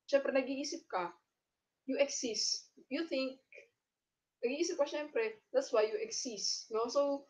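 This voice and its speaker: A woman's voice: high-pitched, slow pace, darkish tone, low-quality recording. A woman teacher with a Filipino accent gives a recorded lecture to her students. She moves back and forth between Tagalog and English and keeps checking in with a questioning "no?".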